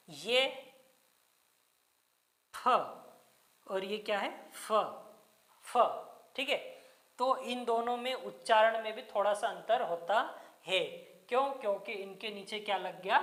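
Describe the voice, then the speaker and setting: A woman teaches a grammar lesson at a slow, deliberate pace. She poses questions and answers them herself, repeating each key word. Her voice rings in an echoey room. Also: mid-range voice. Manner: patient, deliberate explaining. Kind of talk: classroom Hindi grammar lecture.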